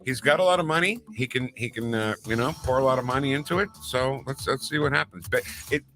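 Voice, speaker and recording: A man's voice: medium pitch, quick pace, bright, forceful tone. A man co-hosting a morning talk radio show, joining in the banter with a showy, emphatic delivery. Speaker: radio co-host. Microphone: studio microphone.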